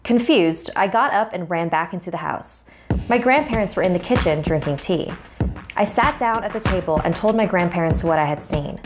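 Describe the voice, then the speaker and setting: A young woman telling a scary first-person story in a measured, suspenseful way, narrating over a music bed. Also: on the low side.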